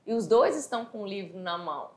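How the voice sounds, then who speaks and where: A Brazilian woman teacher giving a lively exam review lesson, chatty, slowing down to read English phrases aloud. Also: medium pitch, reverberant. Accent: Brazilian Portuguese. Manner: animated, chatty, reads English quotes slowly.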